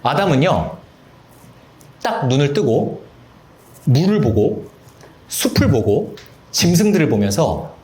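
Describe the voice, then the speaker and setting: A man giving a Bible study lecture at a church, lively and acting out quoted voices. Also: a little high, slow, pauses often, reverberant. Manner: animated, acts out quoted voices.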